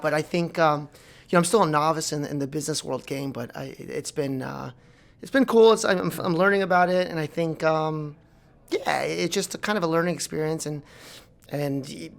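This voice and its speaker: A man in his forties from South Florida, a plastic surgeon talking casually as a podcast guest, animated and rambling with many restarts. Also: a little high, vocal fry. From South Florida, United States. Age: 40s. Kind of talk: casual interview talk. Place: podcast studio.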